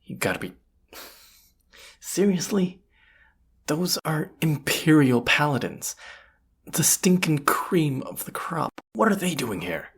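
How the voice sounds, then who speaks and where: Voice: mid-range voice, sing-song, slow, long pauses, husky, full character voice. A performer playing a roguish bandit leader in a fantasy audio roleplay, grumbling yet confident, with folksy, sardonic muttering to the listener. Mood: tense, sardonic.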